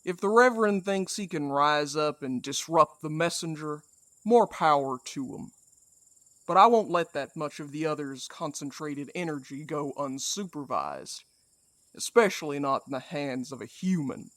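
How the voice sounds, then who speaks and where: A man's voice: fairly high pitch, animated, normal speed, a bit bright, no echo. A man playing a menacing, mock-courteous supernatural villain in an audio drama. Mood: smug, measured. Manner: drawling, theatrical, mock-polite. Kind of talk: audio fiction drama acting.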